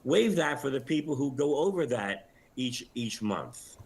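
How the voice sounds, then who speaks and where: Older man, measured and halting. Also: medium pitch, very animated, darkish tone, a little hiss or hum. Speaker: retired air traffic controller, interview guest. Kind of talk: live news interview commentary.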